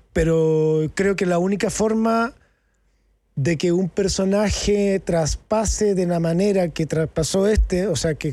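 A man's voice: fairly high pitch, warm tone, no room sound. A man with a Chilean accent, an actor talking candidly in an interview, casual and slangy with lots of fillers and tag questions.

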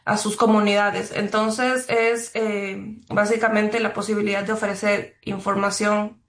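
A woman from Ecuador, a journalist, answering interview questions in a thoughtful, measured way with frequent fillers and restarts. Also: mid-range voice, little pitch movement, a bit bright. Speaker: journalist guest. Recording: roomy echo.

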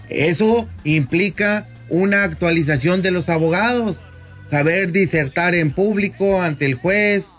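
Fifty-year-old lawyer explaining on radio. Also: male voice, a little high, a bit bright. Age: 50s. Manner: measured, explanatory, often addresses the host by name. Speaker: lawyer guest on radio show. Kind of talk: radio talk segment. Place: radio studio booth.

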